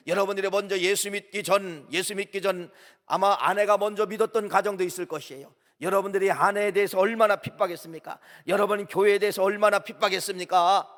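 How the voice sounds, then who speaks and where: A man's voice: sits high, a bit bright. A man preaching a sermon as pastor in a church, emphatic and full of rhetorical questions that he answers himself. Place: church sanctuary. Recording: long church hall reverb.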